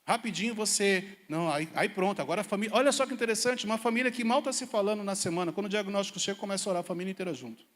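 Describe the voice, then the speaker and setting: High-voiced preaching man in reverberant hall. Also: very fast, few pauses. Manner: animated preaching, rhetorical questions. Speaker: pastor. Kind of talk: sermon. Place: church service hall.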